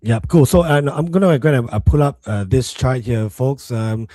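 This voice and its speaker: A man's voice: mid-range voice, expressive, moderate pace, warm tone, no room sound, studio quality. A man with a mixed international English accent hosting a live trading webinar, talking casually to viewers with many fillers. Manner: conversational, many fillers, addresses viewers as folks. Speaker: livestream host.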